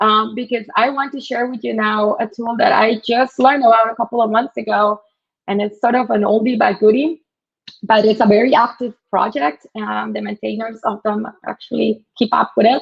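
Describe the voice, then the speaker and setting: A woman speaks at a moderate pace with a non-native accent and a fairly high pitch. Her pitch varies in an ordinary way. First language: not English. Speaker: software community support specialist. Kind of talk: tech conference talk.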